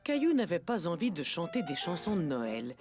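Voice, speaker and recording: A woman narrating a children's cartoon in a calm, clear storytelling tone. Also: lowish voice, normal speed. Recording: studio narration with music bed.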